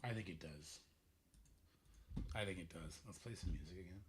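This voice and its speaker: A man's voice: sits low, normal speed, heavy background noise. A man chatting casually on a gaming livestream, thinking aloud in a rambling way, his voice strained as if he is losing it. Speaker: live streamer.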